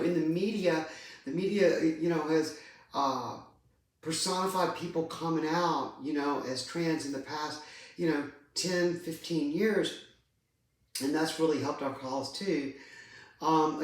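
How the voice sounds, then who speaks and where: A middle-aged trans woman telling a personal story in a vlog, halting and hesitant. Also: low voice. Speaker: vlogger. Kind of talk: personal confessional vlog talk. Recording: very echoey room, distant mic.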